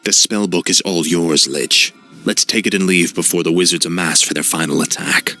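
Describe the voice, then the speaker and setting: An actor playing a cold, arrogant young death knight in a video game. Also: male voice, low-pitched, fairly even intonation, moderate pace, vocal fry, sharp tone, soft background music, heavily acted. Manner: cold, clipped, sardonic. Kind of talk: video game cutscene acting.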